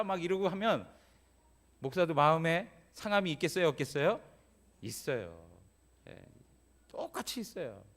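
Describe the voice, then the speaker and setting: A male pastor preaching a Sunday sermon in a church. His voice sits a little high for a man. He talks to the congregation like a neighbour, tossing them quick questions as he goes. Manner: conversational preaching, frequent "예?" prompts to congregation. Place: church sanctuary.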